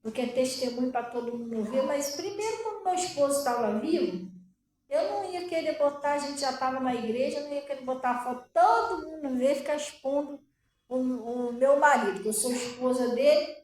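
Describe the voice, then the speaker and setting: Woman, pastor, Brazilian Portuguese accent, testimony sermon, animated, very echoey church hall. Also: high voice, brisk, a little hiss or hum. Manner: conversational, animated, asks the congregation questions. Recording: echoey room, voice far from mic.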